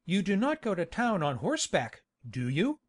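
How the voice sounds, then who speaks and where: A man's voice: sits high, huge pitch swings, normal speed, exaggerated voice. A man playing a hearty, pushy country baronet in a dramatised classic novel, blustering and insistent.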